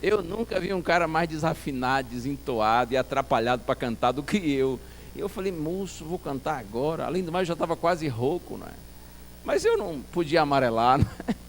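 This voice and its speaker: Casual: man pastor telling a story in church, fairly high voice, goes soft then loud, a bit of hiss. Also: fairly quick. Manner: animated, acts out dialogue, swings from soft to loud. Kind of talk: storytelling sermon.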